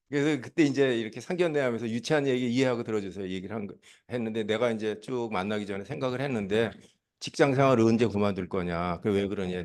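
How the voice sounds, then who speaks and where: Over a quiet background, a man talks very fast at a medium pitch with ordinary pitch variation. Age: 70s. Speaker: retired army officer turning network-marketing speaker. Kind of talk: seminar talk. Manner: casual, conversational.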